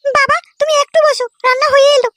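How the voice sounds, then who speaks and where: Woman acting cartoon married daughter, dutiful, plain-spoken, very high pitch, dry recording. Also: steady tone, fast, a bit bright, dry recording. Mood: matter-of-fact. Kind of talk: comedy cartoon dialogue.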